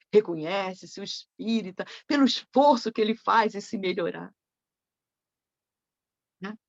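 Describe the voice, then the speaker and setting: A woman gives a reflective sermon, pausing to check in with her listeners as she goes. Her voice carries a slight gravelly edge. The recording is dull and dry, with little room sound. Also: medium pitch, a little mellow, no echo. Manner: reflective, tags phrases with "né?". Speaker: spiritist lecturer.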